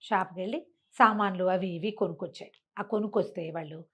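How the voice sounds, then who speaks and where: A woman's voice: fairly low pitch, fast talker, slightly rough. A woman telling an oral story in a colloquial, conversational way, putting rhetorical questions to her listener.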